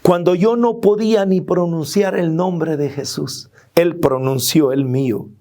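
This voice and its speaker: A man's voice: fairly high pitch, measured pace, dark tone. A man preaching as a Catholic teacher, earnest and emphatic, often quoting scripture, with a Salvadoran Spanish accent.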